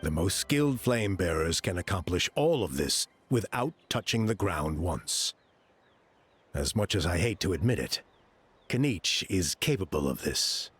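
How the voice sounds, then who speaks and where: An actor playing a patient, earnest tribal man in a video game, explaining a sacred ceremony in a measured, reassuring way. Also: deep voice, very animated, soft background music. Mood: grudging, solemn. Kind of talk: video game character acting.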